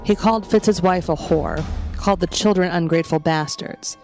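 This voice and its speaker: Creaky-voiced woman narrating horror fiction. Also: on the low side, normal speed, a little mellow, rough recording. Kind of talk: scripted first-person horror story narration. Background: background music.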